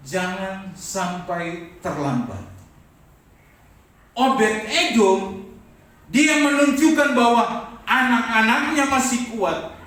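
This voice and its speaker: A high-voiced male pastor preaches slowly, drawing out his words and calling for amens. His voice rings through a big echoey church hall, picked up from some distance away from the mic. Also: a bit bright. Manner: preaching with call-and-response amens. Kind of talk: sermon.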